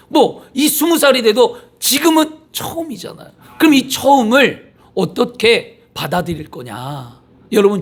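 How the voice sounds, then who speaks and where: A middle-aged man with a fairly high voice preaches in church while fighting a cold. He talks in a conversational way, throwing out rhetorical questions and telling stories about his family. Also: husky. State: has a cold. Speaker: pastor. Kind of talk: sermon. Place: church sanctuary.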